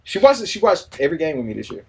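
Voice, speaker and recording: A man's voice: fairly high pitch, big pitch swings, fast, vocal fry, darkish tone, a little hiss or hum. A man in his forties talking casually in an interview, easygoing and rambling, often saying "you know what I mean.". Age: 40s. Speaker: radio personality and new father.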